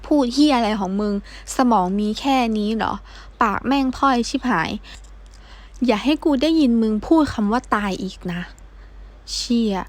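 A woman reads a brash young man with a crude, blunt mouth in this storybook dialogue. The voice sits a touch high for a guy and barely shifts from the reader's own. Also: a little mellow, natural voice. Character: brash young male architecture graduate, foul-mouthed. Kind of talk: audiobook character dialogue.

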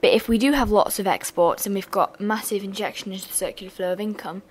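A young woman, hoarse and losing her voice, giving a chatty revision lesson with casual asides. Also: mid-range voice, fairly even intonation, quick pace, slight background noise. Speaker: student revision tutor.

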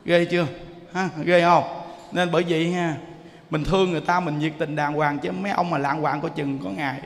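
A man's voice: a little high, brisk, in a large hall. A man with a Southern Vietnamese accent giving a Buddhist dharma talk as a monk, telling stories with jokes and speaking straight to his audience. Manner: lively, joking storyteller addressing the audience. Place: temple lecture hall.

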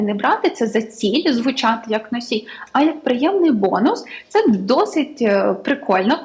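A woman's voice: on the high side, low-quality recording. A young woman from Ukraine, an English tutor, chatting as a guest in a studio talk show with many fillers. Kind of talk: casual studio interview.

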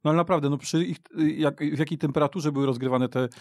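A man speaking haltingly and repeating words as he discusses football off the cuff as a guest. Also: a little high, fairly even intonation, darkish tone, no echo. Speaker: podcast guest. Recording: dry radio studio.

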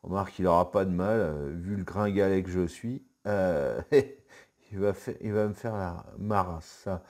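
A man's voice: low voice, normal speed, a little mellow. A young man hosting a web marketing video, joking and swearing casually through a screen demo.

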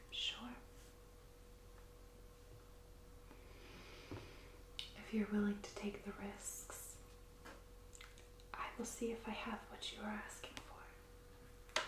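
A mysterious witch acted out by a woman murmurs in a soft, half-whispered ASMR role play. She takes her words very slowly and deliberately, beguiling and quietly menacing. The room rings noticeably around her hushed voice. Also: mid-range voice, roomy sound, close to an everyday voice, poor audio. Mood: cool, businesslike. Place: small indoor room, candlelit set.

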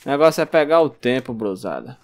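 Excitable Brazilian gamer man, lively voice. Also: mid-range voice, fairly quick. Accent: Brazilian Portuguese. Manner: excitable, yelps and talks to zombies. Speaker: gameplay streamer. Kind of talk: casual gameplay commentary.

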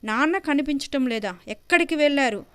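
An enraged grown son shouts and denounces his wife, his voice smooth and fairly high, as a woman voices him in a storybook. It is recorded close and dry. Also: normal speed, no room sound, natural voice. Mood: furious. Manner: furious shouting, then remorseful. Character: angry, grief-stricken grown son.

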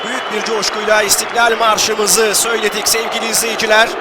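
A man's voice: high-pitched, level tone, fairly quick. A man giving live football play-by-play as match commentator, in controlled, clipped phrases that name the players. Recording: loud crowd noise behind broadcast commentary. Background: stadium crowd.

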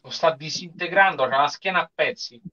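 A man's voice: fairly high pitch, brisk, sharp tone. A man giving casual commentary in a group anime watch-along over a video call. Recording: dull, lo-fi video-call audio.

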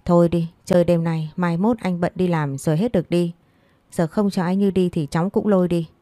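A woman voicing a cheeky, pushy young man in his twenties who needles everyone in quick banter in a storybook. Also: lowish voice, steady tone, mellow, dry recording, natural voice. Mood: teasing. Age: 20s.

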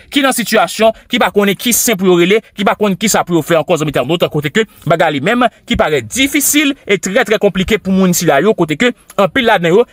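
A man's voice: sits high, a bit bright, no echo. A man with a Haitian Creole accent narrating a news report in an emphatic manner, repeating phrases for effect.

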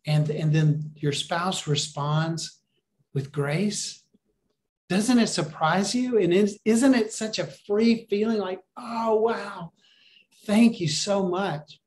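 Pastor, male, fairly high voice, earnest and encouraging, preaching on a webcam. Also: slow, a little mellow, a little hiss or hum. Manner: earnest, encouraging, asks the listeners questions. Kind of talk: sermon over a video call. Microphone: video call webcam.

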